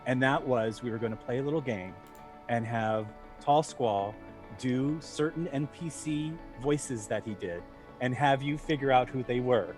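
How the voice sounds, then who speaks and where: A man with a middle-pitched voice hosts a relaxed wrap-up chat for a tabletop game cast. He keeps things upbeat and steers the talk with questions, while soft music plays underneath. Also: measured pace. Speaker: host.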